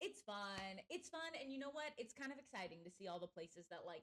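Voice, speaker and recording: Loud and animated, a woman with an American accent speaks with very wide pitch swings. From Florida. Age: 20s. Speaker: podcast co-host. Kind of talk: casual chat.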